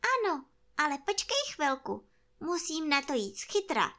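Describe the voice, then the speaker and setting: A woman reading a storybook, voicing a naive, cheerful little honey-loving teddy bear in a high, sing-song, earnestly silly way. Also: big pitch swings, bright, forceful tone, exaggerated voice.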